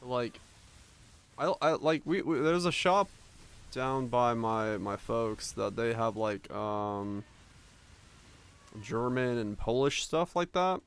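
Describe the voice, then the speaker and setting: A man's voice: medium pitch, expressive, slow, long pauses, clear, resonant tone. Casting: young man from Finland with an American accent, streamer, loose, rambling, cursing casually. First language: Finnish. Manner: rambling, loose and profane, with many restarts. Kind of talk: casual chat with stream viewers.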